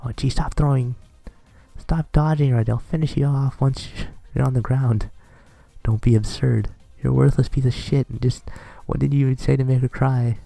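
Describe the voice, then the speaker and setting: A man's voice: mid-range voice, steady tone, normal speed, gravelly, no room sound, soft background music, voice pushed up. A man voicing an angry, hot-tempered teenage schoolgirl scolding someone. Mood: furious. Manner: shouting, scolding.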